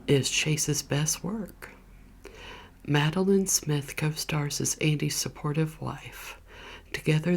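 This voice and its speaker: A woman softly whispering chatty, gushing movie recommendations as an ASMR vlogger. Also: sits low, vocal fry, slight background noise. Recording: keyboard clicks and typing behind voice.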